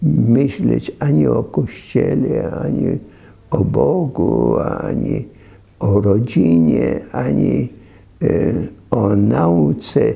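A man talks at a very slow pace with a very deep, low pitch. His pitch swings very widely. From Poland. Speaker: priest, Siberian deportee. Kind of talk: oral history interview answer. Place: home room. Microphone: lapel.

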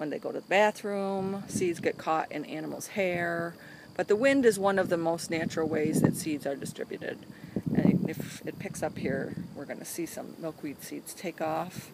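The sound is dry with no echo. Loud background noise runs underneath. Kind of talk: casual explanatory talk. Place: garden. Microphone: phone near.

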